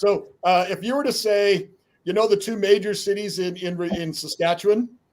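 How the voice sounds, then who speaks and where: A man speaks loudly at a moderate pace in a high pitch. His intonation is fairly even. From Canada. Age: 50s. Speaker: aquarium YouTuber. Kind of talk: casual chat.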